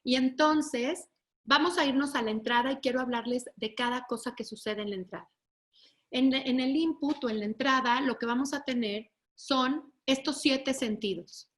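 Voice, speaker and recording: A woman delivers a webinar lecture in a high, bright-pitched voice. She explains patiently and keeps checking in with her listeners. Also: normal speed. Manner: explanatory, asks the audience "¿sí?" to check understanding; acts out children and parents in raised voices.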